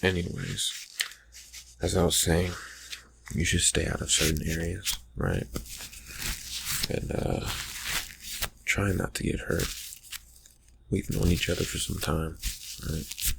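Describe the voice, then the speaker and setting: A man playing a brooding, distracted vampire friend in an ASMR roleplay, murmuring in halting, husky phrases that trail off. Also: level tone, noisy background, heavily acted. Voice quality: breathy, husky, gravelly low murmur. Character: brooding, distracted young male vampire friend, slyly teasing. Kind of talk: ASMR roleplay, improvised soft talk to the listener.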